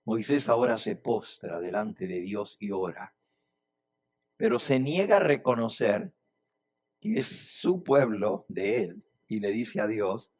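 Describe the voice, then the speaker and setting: A man's voice: lowish voice, very animated, slow, a little mellow, breathy edge. A man preaching a sermon and reading scripture aloud, voicing the figures with swells and drops in force. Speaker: pastor.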